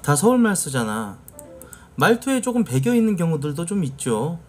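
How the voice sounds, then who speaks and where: Male streamer, casual chat, very lively intonation, animated storyteller. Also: fairly high pitch, moderate pace, faint music behind. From Jeolla, South Korea. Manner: animated storyteller acting out quoted lines. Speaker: live streamer.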